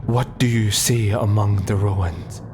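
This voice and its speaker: A man voicing a masked cult leader who questions a dead body in a low, half-whispered voice. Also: fairly even intonation, takes it slowly, background noise. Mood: menacing. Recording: distant with music behind.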